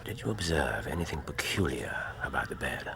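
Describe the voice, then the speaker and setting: A clipped, commanding detective; very low, gravelly voice, faint noise behind. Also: male voice, big pitch swings, brisk, full character voice. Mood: hushed. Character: sharp, commanding male detective, middle-aged. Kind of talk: radio drama acting.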